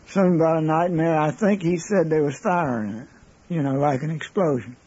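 A man gives plain testimony. His voice is fairly high, soft-toned and husky, on a dull archive recording. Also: normal speed. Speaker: interviewee giving testimony. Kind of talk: plain recollection and reading aloud.

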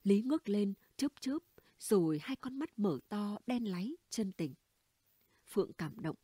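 A woman reading audiobook narration in a calm, descriptive manner. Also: mid-range voice, measured pace, slightly rough, no room sound, clean studio sound.

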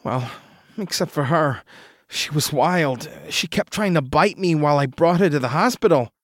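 A man's voice: a little high, animated, normal speed, a bit bright, no echo, clean studio sound, pitched above the performer's own voice. A man voicing an anxious young man who stammers and pleads nervously. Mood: worried. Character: anxious young man, worried rattled roommate.

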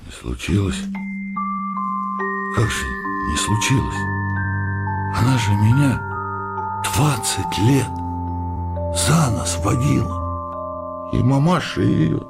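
An actor playing an outraged, blustering, middle-aged working-class husband in a radio comedy play, given to agitated, repeated exclamations. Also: male voice, medium pitch, very animated, slow, creaky, pauses often, loud music behind the voice, full character voice. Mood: wounded, outraged.

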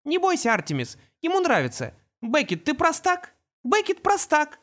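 A man voicing a cheerful, simple-minded toddler boy in a squeaky, eager, drawn-out way. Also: huge pitch swings, fairly bright tone, full character voice.

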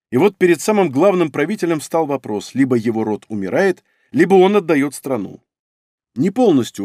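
Lively male audiobook narrator. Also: fairly high pitch, no echo, clean studio sound. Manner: wry, conversational storytelling. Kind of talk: first-person audiobook narration.

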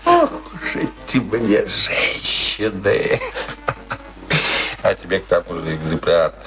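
An actor in a radio play playing an older, embittered husband who grumbles and philosophizes in a brooding, theatrical way. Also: male voice, low voice, big pitch swings, takes it slowly, music in the background, exaggerated voice. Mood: sardonic grumbling.

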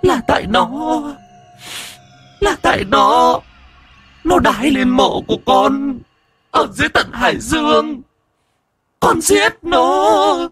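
A man voicing the vengeful ghost of a boy who died at eight, in a thin wailing voice with drawn-out, pleading and menacing lines. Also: extremely high pitch, lively intonation, fairly bright tone, soft background music, voice pushed up, full character voice. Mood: accusing.

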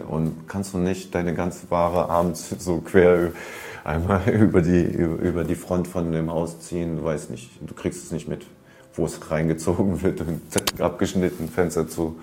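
A man's voice: deep voice, a little mellow. A man casually recounting old stories in a rambling way, full of street slang and fillers. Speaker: storyteller recounting past. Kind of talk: casual spoken storytelling.

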